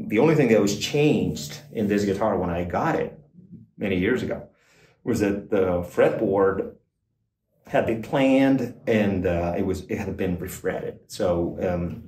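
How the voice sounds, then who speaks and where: An older man, a guitar expert guest, explaining in a casual, halting way with many fillers and restarts, in a small backstage room. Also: fairly low pitch, a little mellow, distant mic. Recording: roomy, off-mic, faint noise.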